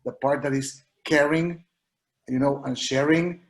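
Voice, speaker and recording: A man from Mexico, speaking English as an on an online panel, earnest and halting with many restarts. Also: fairly high pitch, fairly even intonation. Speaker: educator panelist.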